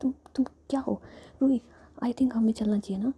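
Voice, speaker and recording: A bashful middle-aged mother , whispered by a woman, trying to slip away in embarrassment. The whisper is airy and very dark, soft and mellow. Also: fairly high pitch, steady tone, normal speed, breathy edge.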